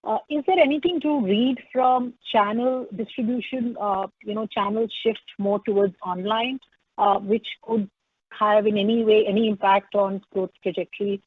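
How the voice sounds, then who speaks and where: A woman's voice: medium pitch, steady tone, moderate pace, slightly rough, dry recording. A woman asks questions as a financial analyst on a conference call, in hesitant, roundabout, unscripted phrasing. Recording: dry, narrow phone-line audio.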